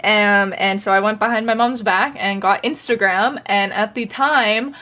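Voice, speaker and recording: A woman's voice: medium pitch, a little slow, pushed and bright. A woman in her early twenties, a podcast guest telling stories in a giggly, rambling way. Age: 20s. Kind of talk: casual chat.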